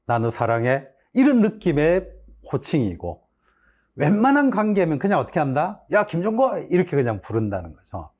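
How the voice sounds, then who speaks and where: A middle-aged man from Busan with a Gyeongsang accent, giving an exam-prep history lecture and answering his own questions. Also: a little high. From Busan, South Korea. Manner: animated, asks the class questions and answers them himself.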